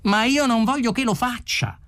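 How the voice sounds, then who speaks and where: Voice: mid-range voice, moderate pace, a bit bright, pitched above the performer's own voice, close to an everyday voice. A reader voicing an exasperated young man lying in the mud, sarcastic and indignant, in an audiobook. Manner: sarcastic, indignant, raised and pleading. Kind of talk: audiobook character voice.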